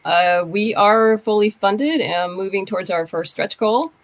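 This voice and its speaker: A woman's voice: medium pitch, unhurried, poor audio. A woman talking casually as a guest creator on a podcast. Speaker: podcast guest, comics and audio drama creator.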